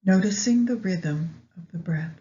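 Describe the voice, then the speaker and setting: A woman leading a guided meditation in a measured way, pausing between short phrases. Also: mid-range voice, warm tone, dull audio. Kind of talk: guided meditation with astrology commentary.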